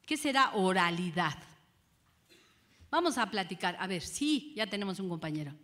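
A woman, a judge giving a lecture to an audience, lively and often asking them rhetorical questions. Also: medium pitch, moderate pace. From Mexico.

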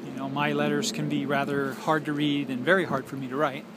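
Middle-aged man rambling over loud noise. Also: on the high side, little pitch movement. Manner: musing, halting, drifting between thoughts. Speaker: video blogger. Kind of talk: casual rambling monologue to camera. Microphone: handheld smartphone at arm's length.

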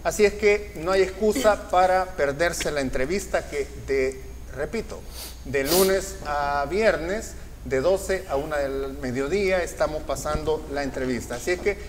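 A man's voice: fairly high pitch, unhurried, slight background noise. Middle-aged male TV host, echoey studio. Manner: promotional, repeats schedule details. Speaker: TV interview host. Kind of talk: political TV interview.

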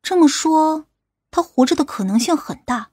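A woman's voice: high-pitched, lively intonation, normal speed, warm tone, no room sound, studio quality. A woman playing a tough, skeptical policewoman who questions and challenges in an audiobook drama. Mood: probing. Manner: interrogating, challenging. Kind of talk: audiobook character dialogue.

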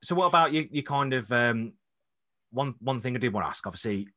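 A man's voice: medium pitch, animated, a little fast, sharp tone. A man with a Black Country accent hosting a casual podcast interview, enthusiastic and encouraging. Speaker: podcast host.

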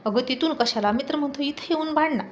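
A shy young husband who talks in a hushed, teasing murmur, as a woman narrator puts him on. The voice sits a little high. It is read for a storybook. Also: fast talker, highs cut off, a little hiss or hum, close to an everyday voice.

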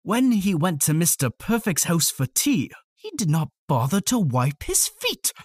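A young man narrating a children's storybook in a playful, expressive way, close on the mic. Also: high-pitched, measured pace, dry recording. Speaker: children's audiobook narrator, voice actor.

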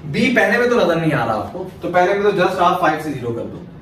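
With a high, sing-song, fairly bright voice and a brisk pace, a man teaches a math lecture in a Pakistani Urdu accent, working through steps and posing questions he then answers himself. He sounds distant in a very echoey room with slight background noise.

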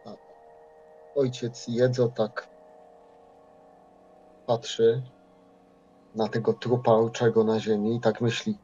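A man's voice: mid-range voice, little pitch movement, slow pace, pauses often, warm tone, a little hiss or hum. A man playing a tabletop game, hesitantly narrating what his character does, searching for words. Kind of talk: storytelling of character actions. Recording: dull, muffled voice-call audio.

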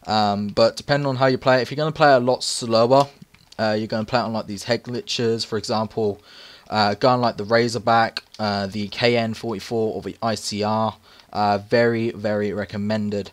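A hoarse, raspy man narrating casual gameplay tips over footage, rambling with many fillers. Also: lowish voice, steady tone, moderate pace. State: hoarse from repeated takes. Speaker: gaming channel host.

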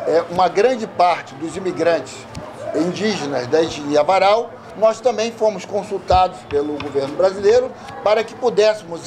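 Male official, high-pitched and hesitant, clear ambient noise. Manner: hesitant, with fillers. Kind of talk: press interview.

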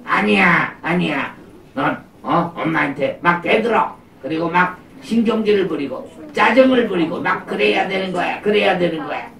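A woman's voice: lowish voice, lively intonation, moderate pace, creaky, fairly bright tone. A woman playing a sly, tempting black heart spirit. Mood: sly coaxing. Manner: sly, whispering persuasion, egging on. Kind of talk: live puppet show for preschoolers. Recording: roomy, distant live room recording.

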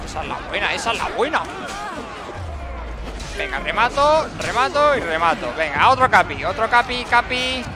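An excitable man with a Spain Spanish accent chats his way through a game, joking and calling out to the characters on screen. His voice sits high. Game music plays clearly behind him. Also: moderate pace. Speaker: gaming channel host. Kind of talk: gameplay commentary.

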